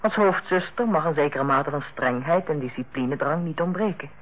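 Composed hospital director, tinny radio sound. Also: female voice, low-pitched. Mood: diplomatic, firm. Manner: measured, diplomatic, formal. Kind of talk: Dutch radio play acting. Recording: tinny, narrow-band old radio recording.

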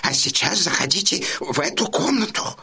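A man's voice: a little high, sing-song, vocal fry, noisy background. An actor playing a nervous, wily, pleading Jewish innkeeper in an audio drama, fussing and drawing out his words. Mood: hushed, eager. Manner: wailing exclamations, drawn-out words, fussy hesitations. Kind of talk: full-cast audiobook dramatisation.

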